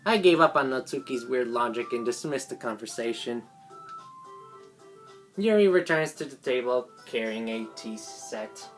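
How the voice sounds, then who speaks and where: A woman narrating a visual novel, reading the story text aloud in a halting way with some stumbles. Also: a bass voice, expressive. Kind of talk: live dramatic reading of game text. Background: game music.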